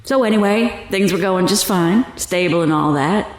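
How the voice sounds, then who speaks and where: An actress playing a sly, menacing older fortune teller accused of murder in an audio drama, taunting and theatrical in a drawl. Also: female voice, lowish voice, normal speed, roomy sound, lightly acted, low-quality recording. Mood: sly, matter-of-fact.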